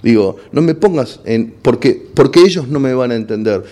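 A man's voice: medium pitch, expressive, normal speed, warm tone. A middle-aged Argentine man, a stand-up comedian, talking frankly in an interview and often restarting words as he searches for them. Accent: Argentine Spanish. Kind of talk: casual interview chat.

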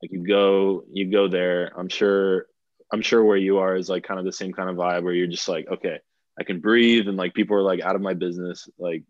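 A young Bulgarian man, a DJ appearing as a podcast guest, chats casually in an interview, rambling, piling up fillers and restarting sentences. His very low voice stays level and moves fairly quickly. The recording is dry and slightly dull, lo-fi in feel, with no room sound.

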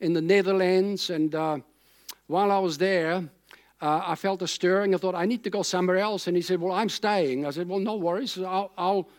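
A man's voice: high voice, fairly even intonation, normal speed. A man in his sixties from Austria, a German speaker, preaching a sermon in a conversational, rambling way with emphatic repetition. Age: 60s. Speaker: pastor.

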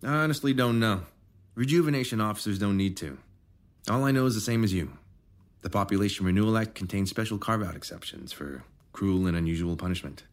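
An actor playing a probing, officious rejuvenation officer in an audio drama, measured and insinuating. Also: male voice, fairly low pitch, lightly acted.

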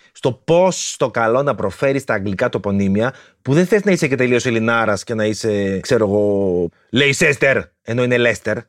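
A man's voice: medium pitch, no echo, studio quality. A man hosting a history video, explaining legends in a playful, slangy way full of jokey asides.

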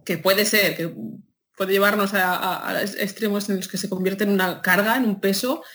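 A woman's voice: medium pitch, normal speed. Madrid-accented woman, guest on an interview, chatty and emphatic, laughs a lot. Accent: Spanish, Madrid. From Spain. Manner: animated storytelling, laughs often, emphatic. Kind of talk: casual interview chat.

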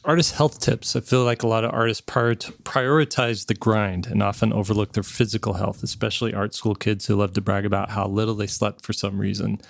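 A man's voice: on the low side, little pitch movement, fairly quick, vocal fry, hardly any pauses. A man in his forties hosting a podcast, reading listener questions aloud in an easygoing way. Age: 40s. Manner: easygoing, laughs along. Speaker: podcast host.

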